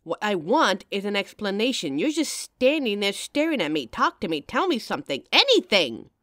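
A woman's voice: medium pitch, very animated, moderate pace, a bit bright, no room sound. A woman playing a caring young adult girlfriend in an audio roleplay, talking intimately and emotionally straight to the listener on a close mic. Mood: hurt, confronting.

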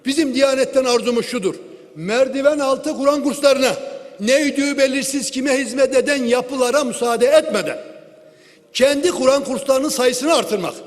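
A man giving a forceful political speech from the rostrum, speaking into a lectern microphone in a large hall and asking rhetorical questions. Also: very high voice. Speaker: member of parliament giving a speech. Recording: long hall reverb.

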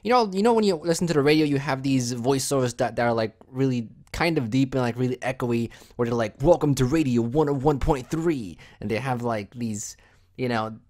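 Male tutorial host, medium pitch, casual and instructional, walking viewers through software one step at a time.

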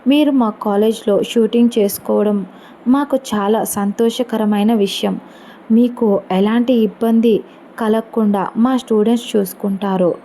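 Lady reading a super humble principal guy, polite, mellow warm voice. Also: mid-range voice, slight background noise, close to an everyday voice. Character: fawning male college principal.

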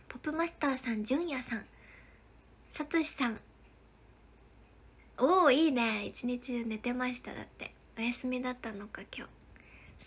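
A woman's voice: high-pitched, slight background noise. A young woman hosting a casual livestream, greeting viewers by name and answering their chat comments. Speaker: livestream host.

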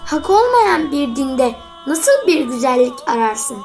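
A cheeky little schoolboy from a comic cartoon. The voice is extremely high and childlike. He sounds confident and witty, lecturing like a pious know-it-all with an answer for everything. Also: big pitch swings, a little slow, darkish tone, faint music behind, exaggerated voice. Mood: earnest, explaining. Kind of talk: scripted comic cartoon dialogue.

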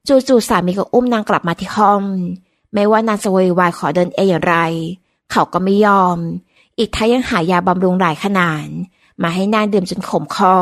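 A woman narrating a period-romance novel as an audiobook in a calm, even storytelling manner, close to the mic. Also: medium pitch, no echo.

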